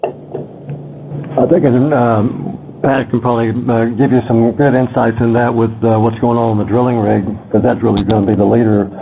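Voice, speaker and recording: A man speaking as a company executive, giving plain-spoken, halting answers on a conference call. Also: medium pitch, little pitch movement, creaky. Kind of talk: unscripted earnings call answers. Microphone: conference phone line. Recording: noisy phone-like conference call line.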